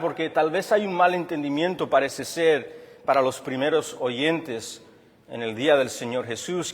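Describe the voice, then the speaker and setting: A man from Chicago preaches with a slightly raised pitch, working through his points earnestly and stopping to restart his phrases. His voice carries a long reverb from the church hall around him. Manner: earnest and explanatory, with frequent restarts and fillers. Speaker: pastor. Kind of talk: sermon.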